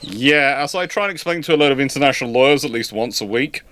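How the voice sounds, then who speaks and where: A man's voice: medium pitch, quick pace, a bit bright, dry recording. A man hosting an informal live history Q&A, hesitant and repeating words as he thinks, with dry, wry humour. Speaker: host answering audience questions.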